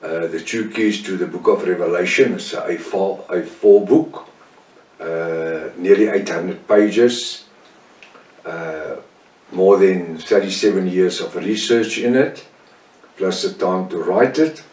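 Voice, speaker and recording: A man's voice: low voice, a little mellow, echoey room, far from the mic. Older South African man teaching scripture. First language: Afrikaans. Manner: slow, deliberate delivery with frequent fillers and self-corrections. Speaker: Bible teacher. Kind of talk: Bible study teaching.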